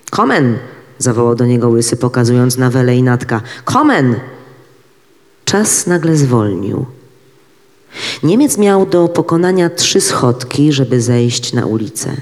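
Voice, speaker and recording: A man's voice: mid-range voice, darkish tone. Man reading a novel aloud in a hall. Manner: measured, dramatic pauses. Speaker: reader. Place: event hall. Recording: reverberant hall.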